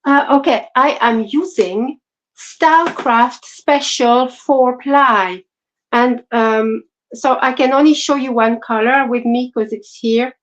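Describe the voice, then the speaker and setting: A woman with a French accent co-hosting a casual crochet livestream, soft-spoken and apologetic with many fillers. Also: fairly high pitch, slow. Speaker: co-host. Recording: dull lo-fi stream audio.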